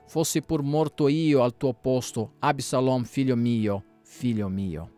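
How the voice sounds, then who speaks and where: A man's voice: fairly high pitch, unhurried, darkish tone, clean tone, faint music behind, lightly acted. A man reading the part of an old king who cries out in grief for his dead son. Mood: grieving. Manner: crying out a lament.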